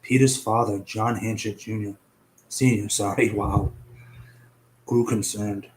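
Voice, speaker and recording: Speaking a little slowly with fairly even intonation, a young host with a low-side voice narrates his casual online mystery show. He's chatty and a bit profane, stumbles over names, and has a cough and a partly lost voice. The recording is rough, with a little hiss or hum.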